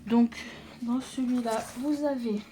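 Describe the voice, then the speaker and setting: A woman's voice: on the high side, fairly even intonation, slow, dark tone, slight background noise. A woman from France narrating an unboxing of cross-stitch kits in a casual, hesitant way, with many fillers and restarts. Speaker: craft vlogger.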